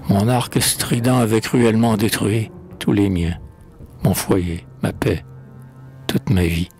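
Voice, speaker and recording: A man voicing a guilt-stricken mythic hero who laments slowly in a deep, low voice, his words weighed down with grief. Faint music plays softly behind him. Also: fairly even intonation, gravelly. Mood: haunted. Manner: solemn, lamenting recitation.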